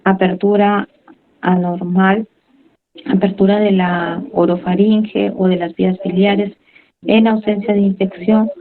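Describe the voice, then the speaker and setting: A woman's voice: mid-range voice, level tone, measured pace, phone-quality sound. A woman giving a medical lecture, reading from slides and then explaining in her own words with fillers and tag questions.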